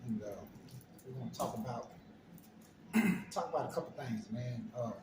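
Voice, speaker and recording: An African American man hosting a relaxed, informal chat, clearing his throat often, recorded on a phone at home. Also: mid-range voice, normal speed, roomy sound, noisy background. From United States. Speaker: host. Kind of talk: casual conversation.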